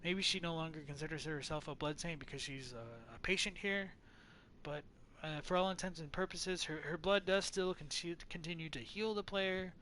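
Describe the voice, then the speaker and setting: Bright-voiced man musing over game lore. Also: on the high side, normal speed, a little hiss or hum, rough recording. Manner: thoughtful, hesitant, full of restarts. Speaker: let's play host.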